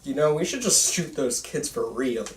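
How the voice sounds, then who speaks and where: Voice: mid-range voice, lively intonation, normal speed, lightly acted. A performer playing a bitter, intense teenage boy filmmaker in an amateur script read, recorded at a distance in a roomy space. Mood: darkly excited. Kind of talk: amateur screenplay table read.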